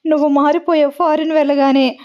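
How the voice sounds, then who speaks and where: A woman's voice: high-pitched, moderate pace, lightly acted. A woman doing a melodramatic teasing girl. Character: mischievous young woman faking heartbreak. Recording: dull lo-fi audio.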